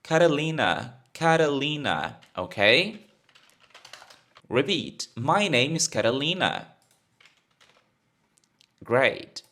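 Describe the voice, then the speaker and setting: A Brazilian man with a Brazilian Portuguese accent who teaches English, repeating phrases slowly for learners to copy. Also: mid-range voice, very animated, bright, forceful tone. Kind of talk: explaining an English lesson.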